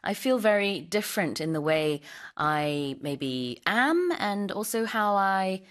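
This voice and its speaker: A woman hosting a bilingual radio show in a studio. She reads in English, then retells it in rapid Korean. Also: mid-range voice, very animated. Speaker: radio host.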